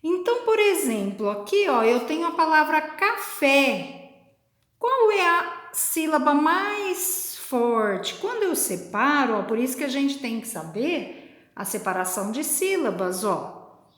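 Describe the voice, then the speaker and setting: Patient woman teacher, lively high voice. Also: reverberant. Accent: Brazilian Portuguese. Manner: slow, patient, explaining step by step. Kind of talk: recorded lesson for children.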